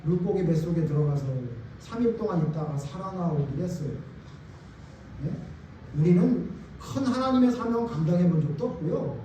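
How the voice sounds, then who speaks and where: A man's voice: sits high, animated, normal speed, dark tone. A male pastor preaching a sermon, speaking emphatically and firing rhetorical questions at the congregation. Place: church sanctuary. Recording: echoey church hall, distant mic, faint room noise.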